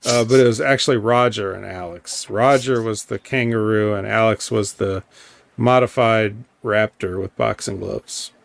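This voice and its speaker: A man's voice: lowish voice, fairly even intonation, moderate pace, gravelly. A man hosting a podcast, recapping a wrestling show in a rambling, sarcastic way with lots of ums. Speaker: podcast host. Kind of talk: casual wrestling recap chat.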